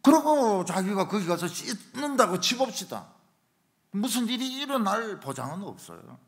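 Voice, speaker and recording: A middle-aged man preaching a revival sermon in a church, telling stories and acting out shouted quotes. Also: high-pitched, moderate pace. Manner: animated storytelling, acts out shouted quotes. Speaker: pastor. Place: church sanctuary.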